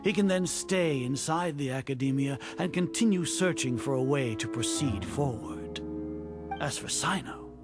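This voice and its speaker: A pompous older scholar villain from a video game, acted by a man, speaks in a medium-pitched voice. He is imperious and coldly condescending, choosing formal words deliberately. Music plays clearly behind him. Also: lightly acted. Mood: calculating, cold. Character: imperious older male grand sage, cold scheming villain. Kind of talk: scripted video game voice acting. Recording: game dialogue over loud music.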